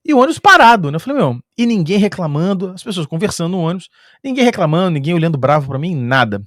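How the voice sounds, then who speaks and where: Lively Brazilian man telling a travel story. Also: high-pitched, fast talker, dry recording, studio quality. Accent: Brazilian Portuguese. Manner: lively, chuckles often, sound-effect filler words. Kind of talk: casual spoken storytelling.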